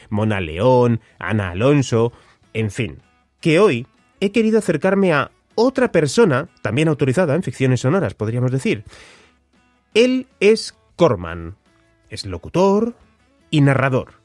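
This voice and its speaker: A man's voice: mid-range voice, a little mellow, dry recording. A man with a Spanish accent hosting a podcast, talking with enthusiastic emphasis. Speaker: podcast host. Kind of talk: scripted podcast intro.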